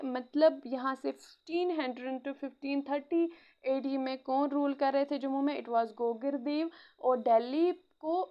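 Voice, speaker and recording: A woman's voice: high voice, muffled recording. A woman teaching an exam-prep history lecture, checking in often with listeners and mixing in English phrases. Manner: frequent "theek hai" check-ins, mixes English phrases.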